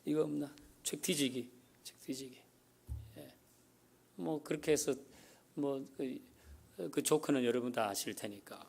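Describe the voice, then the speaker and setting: A man's voice: mid-range voice, unhurried, vocal fry, long pauses, a little mellow, slightly rough. A middle-aged male pastor giving a folksy sermon, asking the congregation questions as he teaches. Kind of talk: sermon teaching on Bible reading.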